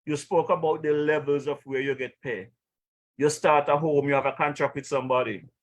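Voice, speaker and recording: Outspoken male talk host with a Caribbean accent and a slightly high voice, delivering indignant political commentary. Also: fairly even intonation, a little fast. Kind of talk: political commentary on a live stream.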